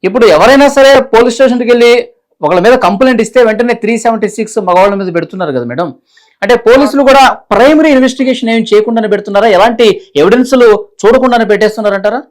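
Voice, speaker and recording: A woman's voice: a little high, racing, a little mellow. A woman interviewing someone over the phone, politely putting questions and prompting with short acknowledgements. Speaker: interviewer, reporter.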